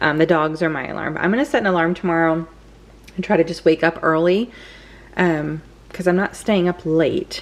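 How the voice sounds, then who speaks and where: With long, frequent pauses, a woman speaks at a fairly low pitch with ordinary pitch variation. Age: 40s. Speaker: vlogger, stay-at-home mom. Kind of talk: casual vlog talk to camera. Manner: fast.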